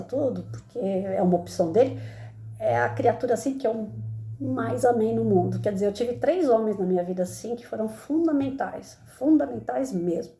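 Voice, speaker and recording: A woman's voice: mid-range voice, vocal fry, mellow, echoey room, slight background noise. A middle-aged Brazilian woman presenting a Spiritist study, talking conversationally and often adding tag questions. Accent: Brazilian Portuguese. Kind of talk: spoken Spiritist study talk with personal story.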